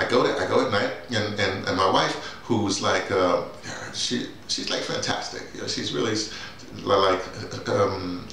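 A man in his sixties talking casually and haltingly to camera, repeating words and wandering off on asides. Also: fairly low pitch, gravelly, a bit bright. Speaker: playwright and audio drama teacher. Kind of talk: casual rambling monologue to camera. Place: small bare-walled room indoors. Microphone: camera mic a few feet away. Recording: very echoey room, distant mic, faint hiss.

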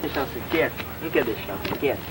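A man's voice: medium pitch, expressive, racing, very noisy. A Brazilian man chatting casually while filming outdoors on a camcorder, heard on old worn home-video tape. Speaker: amateur camera operator filming family. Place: outdoors in a rural yard. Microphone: camcorder microphone.

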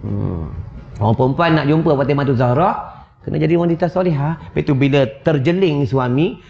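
Male preacher, Malaysian Malay accent, gravelly and high-pitched, very lively delivery, dull lo-fi livestream sound. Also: a little fast, slight background noise. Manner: animated, teasing, acts out wives' voices. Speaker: religious preacher. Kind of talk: lively sermon. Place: mosque prayer hall.

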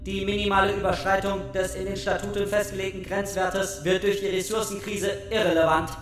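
An echoey, distant male machine intelligence played by an actor argues in a science fiction radio play over music. He is ruthless and insistent, with clipped official phrasing on a flat pitch. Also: brisk. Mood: insistent, cold. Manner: clipped, insistent, bureaucratic diction. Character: insistent, ruthless machine delegate of the production modules. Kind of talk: science fiction audio drama acting.

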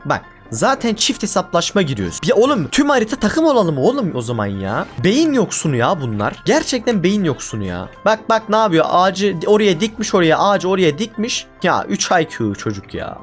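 A man's voice: high-pitched, huge pitch swings, fairly quick, few pauses, faint music behind. A man giving casual commentary over his own gameplay, exasperated and ranting at his teammates. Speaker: gaming YouTuber.

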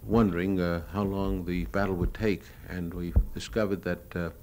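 Deep-voiced man narrating over noisy old recording. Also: level tone, normal speed, a little mellow. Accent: American. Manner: matter-of-fact, hesitant reminiscing. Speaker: newsreel cameraman. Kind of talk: unscripted narration of his own home movies.

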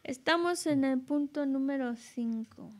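A woman explaining Buddhist teachings as an interpreter, in a measured way with many restarts. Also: sits high, darkish tone.

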